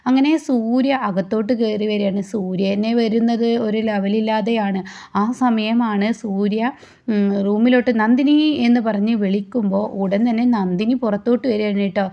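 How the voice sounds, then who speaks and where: Give me a chatty woman storyteller with a gravelly voice on a muffled recording. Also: mid-range voice, fairly even intonation, moderate pace. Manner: chatty, tags lines with a "you know" tag. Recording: dull lo-fi recording.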